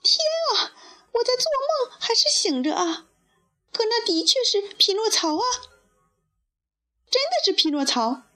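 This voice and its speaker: A woman's voice: extremely high pitch, big pitch swings, a little slow, long pauses, pitched above the performer's own voice, full character voice. Woman doing a shrieking clown puppet. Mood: amazed. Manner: shouting in loud amazement. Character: excited clown puppet in a patchwork costume, male.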